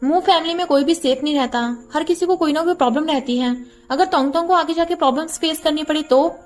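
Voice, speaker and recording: A woman's voice: high-pitched, fast talker, natural voice. A woman narrator voicing a serious, wary middle-aged uncle, with faint music underneath.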